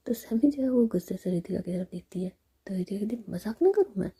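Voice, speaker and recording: A woman narrating a love story entirely in a soft whisper. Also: medium pitch, fast, slightly rough. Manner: whispering throughout.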